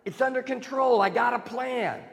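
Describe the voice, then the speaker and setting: A preacher doing a breezy, unbothered God. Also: male voice, extremely high pitch, normal speed, gravelly. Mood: reassuring. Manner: casual, reassuring, offhand. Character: calm, breezy God reassuring a prophet. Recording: long church reverb.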